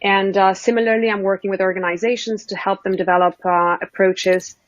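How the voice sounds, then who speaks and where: A woman's voice: mid-range voice, fairly even intonation, fairly quick, no echo. A woman introducing herself professionally as a consultant on an online panel. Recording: muffled dry online-call audio.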